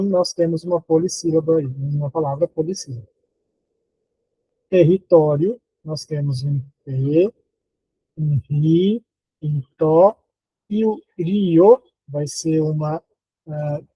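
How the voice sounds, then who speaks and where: Counting syllables aloud, a Brazilian Portuguese-speaking university teacher walks his students through an online phonology lesson at a slow, deliberate pace and asks them rhetorical questions. He has a fairly high, slightly rough voice with a darkish tone, and the audio is poor.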